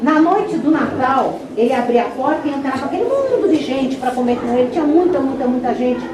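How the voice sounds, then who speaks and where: In a room with audible echo and crowd noise behind her, a woman speaks at a moderate pace with very wide pitch swings. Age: 60s. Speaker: psychologist giving a talk about a medium. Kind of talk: public talk.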